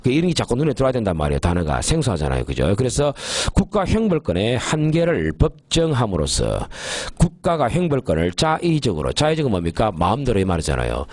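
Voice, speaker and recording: Lively, fast-talking male law lecturer. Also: fairly low pitch, no echo. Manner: emphatic, keeps asking the class to confirm; slows to dictate key phrases. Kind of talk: exam-prep lecture.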